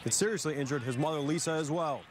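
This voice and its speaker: A man's voice: fairly high pitch, quick pace, slight background noise. A man with an American accent giving a live television sports report from the field.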